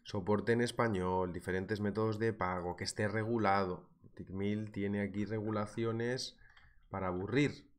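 A man with a Spanish accent from Spain and a somewhat low voice, chatting lively through a throat left sore by a cold. He hosts a live market webinar from a small room, speaking into a webcam setup. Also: unhurried. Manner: lively, chatty, addresses viewers directly. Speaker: trading webinar host. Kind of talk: live market analysis webinar, reading viewer comments. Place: small indoor room at a desk.

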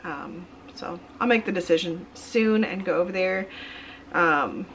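A woman's voice: fairly low pitch, measured pace, fairly bright tone, slight background noise, rough recording. Chatty woman rambling through a haul. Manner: chatty, rambling with fillers and restarts. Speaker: vlogger. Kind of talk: casual haul vlog. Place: home kitchen, indoors.

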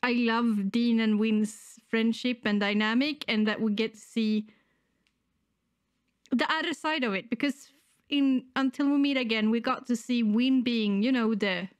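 Slow-talking woman, slightly wheezy with a cold. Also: fairly high pitch, steady tone, smooth, dry recording, clean studio sound. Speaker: reaction channel host. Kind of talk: casual chat to camera. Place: indoors, small room at home. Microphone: close desktop microphone.

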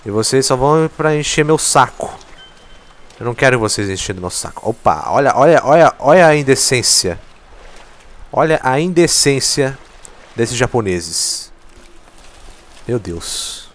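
A man's voice: mid-range voice, a little slow, long pauses. A man giving casual, profane, joking commentary while playing a video game. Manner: excitable, swears a lot, jokes at the game. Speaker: gameplay commentator. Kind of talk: casual let's play commentary. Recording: faint game music behind.

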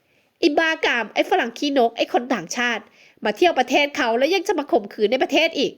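A woman voicing a fiery young woman who shouts and scolds indignantly, in a storybook reading. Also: high voice, animated, normal speed, pitched above the performer's own voice. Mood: panicked.

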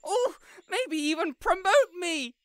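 A man's voice: very high-pitched, animated, takes it slowly, a bit bright, dry recording, heavily acted. A man voicing an indignant, insecure young superhero in an audio roleplay, whiny, pompous and melodramatic. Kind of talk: scripted audio roleplay acting.

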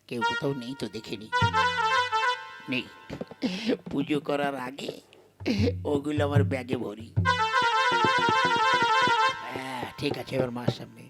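A performer plays a thieving, greedy Brahmin priest in a comic folk puppet show. The delivery is sly and theatrical, shifting between muttering and sing-song priestly calls. Loud music plays behind the voice. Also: medium pitch, close to an everyday voice. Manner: calls out for customers, mutters slyly, botches chanted mantras. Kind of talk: Bengali folk puppet comedy acting.

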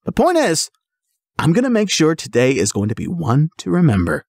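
A man's voice: a little high, normal speed, breathy edge, dry recording, studio quality, heavily acted. Man acting an exuberant, swoopy himbo jock boyfriend. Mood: playful, affectionate. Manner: excitable, playful, theatrically dramatic. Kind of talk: roleplay audio acting, addressed to the listener.

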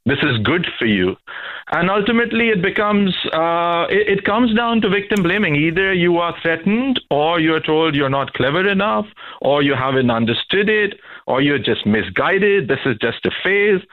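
A man's voice: on the high side, animated, moderate pace. A man calling in to a radio debate on a tinny phone line, speaking earnestly and stumbling over repeated words. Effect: tinny phone-line sound.

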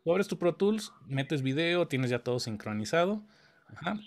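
A man's voice: fairly high pitch, very animated, moderate pace. A man, teaching in a casual conversation and explaining dubbing work patiently, often checking whether his listener follows. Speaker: audio engineering teacher.

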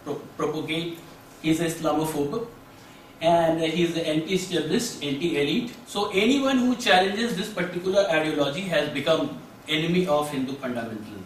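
A middle-aged man with an Indian accent giving a halting academic presentation in a classroom. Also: a little high. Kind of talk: conference presentation with slides. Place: small classroom, seated at a desk. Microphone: far camera. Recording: echoey room, distant mic, faint noise.

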